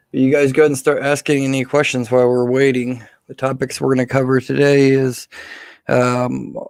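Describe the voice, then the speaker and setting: A man with a slightly hoarse voice hosting a casual live question-and-answer stream, speaking informally and haltingly off the cuff. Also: mid-range voice, darkish tone, dry recording, studio quality.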